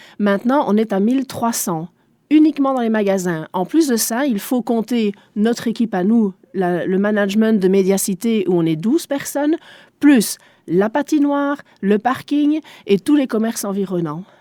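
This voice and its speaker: A woman with a German accent speaks in a fairly high pitch with a dark, mellow tone and lively intonation. Her pace is moderate, and the recording is very clean with a silent background. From Belgium, Spa area (Liège province). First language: German (speaking French). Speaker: shopping centre director. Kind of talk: radio interview.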